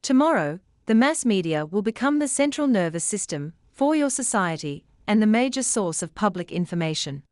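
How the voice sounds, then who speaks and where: A woman's voice: medium pitch, big pitch swings, normal speed, few pauses, a little mellow, no echo, clean studio sound. A woman reading a scripted passage aloud for exam practice.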